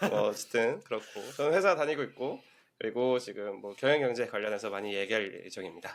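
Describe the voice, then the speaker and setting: Speaking very fast, a man keeps to a medium pitch. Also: lively intonation. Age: 30s. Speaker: podcast host, office worker. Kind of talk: casual chat.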